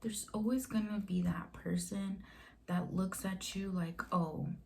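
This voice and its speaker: A young woman with a Mexican accent who stutters, talking casually to her vlog camera in a soft, breathy voice. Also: medium pitch, fairly even intonation. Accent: Mexican Spanish. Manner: stuttering, with short pauses and fillers. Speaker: vlogger.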